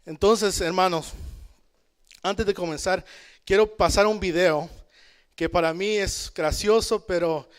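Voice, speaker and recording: A man's voice: high-pitched, a little slow, pauses often, clear, resonant tone. A man from El Salvador, teaching a Bible study to a church congregation in a conversational way, calling out amen and checking in with his listeners. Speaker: preacher. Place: church in Canada.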